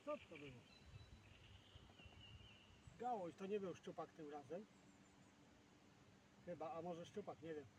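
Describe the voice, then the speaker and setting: Speaking slowly and leaving long pauses, a slightly high-voiced Polish man in his sixties fishes from a boat on open water and chats casually for the camera. His talk wanders into self-deprecating mutters to himself, and the distant outdoor mic catches clear surrounding noise.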